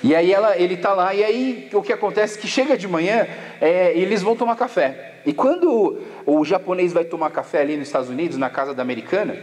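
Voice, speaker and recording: High-voiced Brazilian pastor preaching casually. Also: male voice, fast talker, darkish tone. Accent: Brazilian Portuguese. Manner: casual slangy storytelling with acted quotes. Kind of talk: sermon to young people. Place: church camp hall. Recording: long hall reverb.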